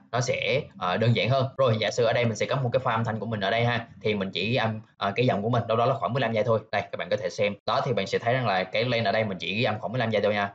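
A man walks viewers through a software tutorial at a rapid clip, friendly and conversational. His voice sits on the low side. The recording is dull and lo-fi. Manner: chatty, addresses viewers directly, ends sentences with friendly tag particles. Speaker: tech tutorial host. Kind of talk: casual screen-recorded tutorial narration.

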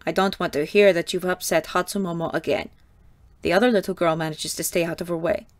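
A woman reading an audiobook, voicing a stern older woman who runs a geisha house, with a raspy, scolding voice. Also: on the low side, steady tone, brisk, no room sound, pitched below the performer's own voice, lightly acted.

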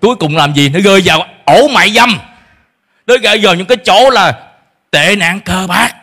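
A man's voice: high voice, animated, moderate pace, pushed and bright, slightly rough. A middle-aged man preaching a sermon as pastor, emphatic, acting out parents' complaints in a shifting voice. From Vietnam.

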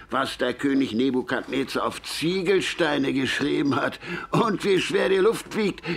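An actor playing a gruff older male gunsmith in a German radio play, scolding and mocking a young newcomer. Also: mid-range voice, fairly bright tone, a little hiss or hum, full character voice.

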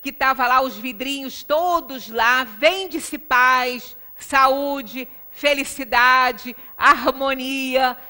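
A woman's voice: sits high, extremely slow, hardly any pauses, bright, forceful tone. A middle-aged Brazilian woman giving a religious lecture in an explanatory, conversational way, emphatic, often checking in with short tag questions. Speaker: lecturer at a Spiritist center. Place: small indoor lecture room. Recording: reverberant meeting room, distant microphone.

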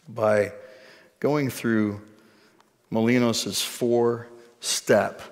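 A man in his forties delivers a sermon from a church stage, talking in a loose, conversational way and dropping wry asides to his congregation. His voice carries a long reverb tail from the large room around him. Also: medium pitch. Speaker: pastor.

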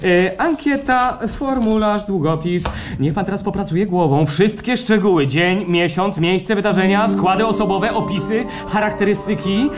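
A man's voice: sits high, moderate pace, few pauses, music in the background, lightly acted. An actor playing an eager, fussy technician in a radio play, pressing his case persuasively. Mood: brisk, eager. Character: eager, insistent technician selling staged re-creations of feelings. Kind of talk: radio play acting before a live audience. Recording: live stage recording with background noise.

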